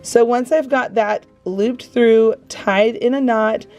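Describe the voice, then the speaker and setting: A hoarse woman hosts her craft channel, talking viewers through a project step by step. Her voice sits a little high yet sounds mellow and soft. The delivery stays friendly and instructional. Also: steady tone, slow pace, lo-fi sound. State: hoarse, has lost her voice. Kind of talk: DIY craft tutorial voice-over.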